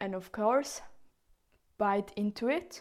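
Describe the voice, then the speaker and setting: A woman with a Swiss German accent and a fairly high pitch speaks very slowly in a dark, mellow tone, her intonation lively. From Switzerland. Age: 20s. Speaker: podcast host. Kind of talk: casual solo podcast talk. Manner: halting.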